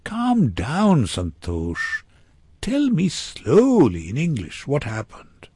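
A man narrator acts a concerned, protective woman from a novel, lifted in pitch. The delivery is urgent and caring, with plain, clearly phrased questions and appeals. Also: wildly swooping pitch, takes it slowly, darkish tone, no room sound, studio quality, heavily acted. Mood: soothing, concerned. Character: caring, anxious young woman comforting a distraught child.

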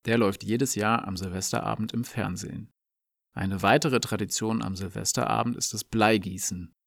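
A man presenting a language lesson, explaining in a calm, clear scripted dialogue. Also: fairly low pitch, moderate pace, no room sound, studio quality.

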